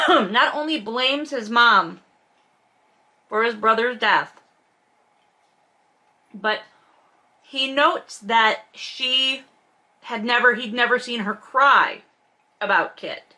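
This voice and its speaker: Hosting a book read-along, a woman reads aloud and comments bluntly, casually and with plenty of profanity. Her voice is fairly high, bright and forceful, and her manner is sarcastic and emphatic.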